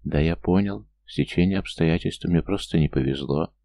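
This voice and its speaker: A man's voice: sits low, normal speed, mellow. A man reading an audiobook voices a brooding male dragon in human form, curt and heavy.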